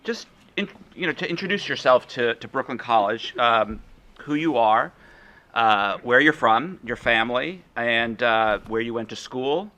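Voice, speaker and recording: A man moderates a campus panel, posing a question in halting stretches full of restarts and fillers. His voice has a bright, forceful edge. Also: mid-range voice, expressive.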